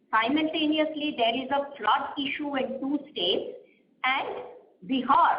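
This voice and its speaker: A woman, a company executive answering questions on an earnings call in a measured, explanatory way, pausing often with "uh". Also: high voice, slight background noise. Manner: measured, explanatory, frequent "uh" pauses. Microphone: conference call line. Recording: roomy, slightly muffled conference line.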